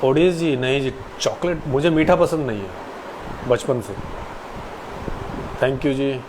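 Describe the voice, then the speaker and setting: A man in his late twenties answers viewers' questions in an easy, polite live chat, calling each of them by name with a respectful "ji". His voice sits at an ordinary middle pitch. A faint air-conditioner hum runs behind him. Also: takes it slowly. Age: 20s. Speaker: actor hosting a live Q&A.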